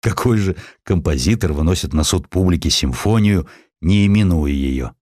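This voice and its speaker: A gentle, wistful aging perfumer, as a male audiobook narrator puts him on. He speaks softly and unhurriedly in a deep voice, musing over his words. The recording is dry and close. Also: lively intonation, normal speed, no room sound.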